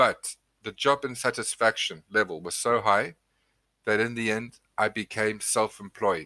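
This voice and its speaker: A man's fairly low, bright, sharp voice with a South African accent, at a very slow pace with fairly even intonation, on a very clean recording with a silent background and a dry, close sound with no echo. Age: 40s. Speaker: company managing director. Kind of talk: podcast interview.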